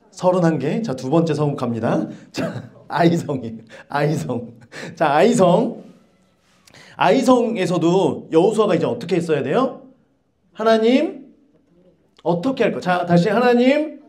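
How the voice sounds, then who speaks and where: A man's voice: a little high, dark tone. A man in his thirties preaching a sermon as pastor, asking the congregation questions and acting out grumbling voices. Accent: Korean.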